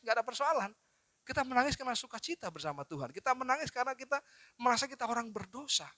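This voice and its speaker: High bright lively male preacher. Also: no echo. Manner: lively storytelling with acted quotes, addresses audience directly. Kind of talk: seminar sermon.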